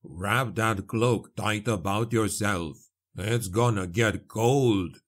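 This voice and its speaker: A man's voice: fairly low pitch, slow. A man voicing a grim, impatient male dwarf warrior in an audiobook, grunting and muttering terse commands. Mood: impatient, commanding.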